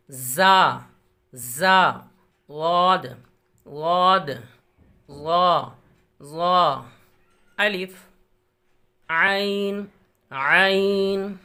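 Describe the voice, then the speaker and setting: Patient male Quran teacher, bright voice. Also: high-pitched. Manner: patient, repeats each letter slowly and explains. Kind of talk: recorded beginner lesson.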